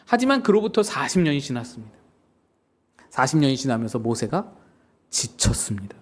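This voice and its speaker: A male pastor preaching a sermon, telling stories in an animated way and acting out the people in them. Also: medium pitch, moderate pace. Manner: animated storytelling with acted quotes.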